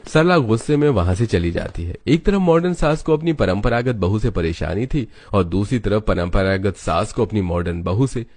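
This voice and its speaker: A man narrating an animated family story in a steady, storytelling manner. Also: lowish voice, normal speed, few pauses, dry recording.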